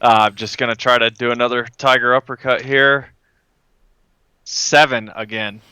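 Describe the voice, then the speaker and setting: A man with a strikingly bright, clean voice talks through his turn in a tabletop game. He is casual, slightly tentative and self-deprecating, and the sound is dry and close. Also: medium pitch, steady tone, normal speed, clear, resonant tone, dry recording. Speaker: player in a tabletop role-playing game.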